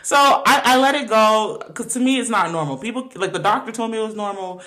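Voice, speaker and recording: A woman's voice: a little high, a little fast, bright, forceful tone. A woman in her twenties hosting a podcast, telling a personal story in an emphatic, slangy way with frequent laughter. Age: 20s. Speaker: podcast host.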